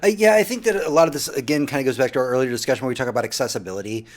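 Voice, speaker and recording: A man's voice: medium pitch, racing. A man moderating a casual panel discussion as podcast host, summing up points and putting questions to guests.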